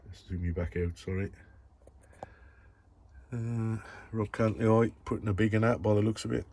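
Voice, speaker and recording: A man from the Black Country, England, with a Black Country English accent gives a casual, rambling video tour of a warm grow tent in a shed. He's a chatty, matey hobbyist vlogger whose fairly low, warm voice holds fairly even intonation at a moderate pace, with slight background noise.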